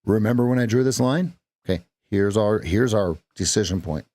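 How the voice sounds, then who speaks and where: A man's voice: fairly low pitch, moderate pace, darkish tone, no echo. A man hosting a live day-trading stream, chatting with viewers and repeating phrases as he watches the market.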